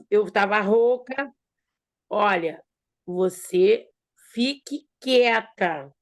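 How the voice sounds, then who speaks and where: A woman recounting a personal story in an online study group, speaking slowly and conversationally over a video call. Her voice sits a little high, and she stops to act out what others told her. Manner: unhurried, conversational, retells dialogue. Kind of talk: casual storytelling in a group discussion.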